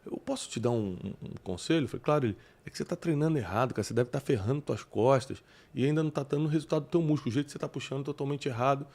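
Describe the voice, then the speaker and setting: A man hosting a talk show, animated and preachy, often bringing in scripture. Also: mid-range voice, racing, gravelly. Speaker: podcast host. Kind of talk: casual chat.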